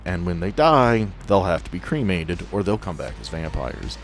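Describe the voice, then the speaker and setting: A man's voice: low-pitched, lively intonation, moderate pace, soft background music. A man acting as game master, improvising narration for a tabletop roleplaying game.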